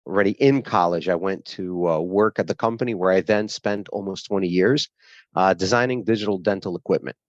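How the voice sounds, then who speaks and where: A man in his forties with a Brooklyn accent and a low voice. He recounts his past in a relaxed, rambling way, full of fillers and small laughs. The sound is dry and a bit muffled. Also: fairly quick, no room sound. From grew up in Brooklyn, New York. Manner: frequent fillers, laughs while telling stories. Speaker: guest. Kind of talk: casual interview storytelling.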